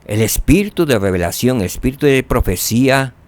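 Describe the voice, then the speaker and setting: A man teaching a scripture lesson, asking rhetorical questions and dropping to soft tones for emphasis. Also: mid-range voice, expressive, brisk.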